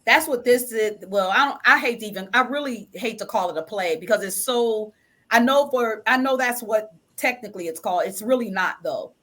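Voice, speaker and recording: A guest from a stage play production talks emphatically in a conversational interview, often repeating phrases to drive them home. Her voice runs high, fairly quick and fairly bright.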